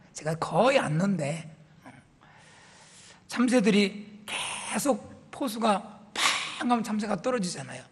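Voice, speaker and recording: High-voiced husky pastor guy joking with the church crowd, long echo in the hall. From Korea, raised in Seoul. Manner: playful, teasing the audience with questions. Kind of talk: joke-telling warm-up before a church sermon.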